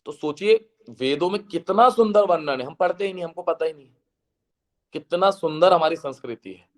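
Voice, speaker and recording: A man giving an earnest devotional lecture to a seated audience, his voice slightly hoarse, slowing into a chant when he recites verses. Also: fairly high pitch. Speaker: guest speaker.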